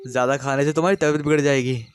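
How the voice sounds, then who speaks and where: A man's voice: medium pitch, steady tone, rapid-fire, smooth, lightly acted. A man voicing an irritated young husband who scolds and insists. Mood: scolding.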